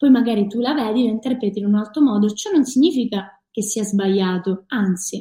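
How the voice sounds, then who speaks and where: A woman's fairly high, somewhat breathy voice with a dark, mellow tone, ordinary pitch variation, and a fairly quick pace with hardly any pauses. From Sicily. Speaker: photographer. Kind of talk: interview. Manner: assertive.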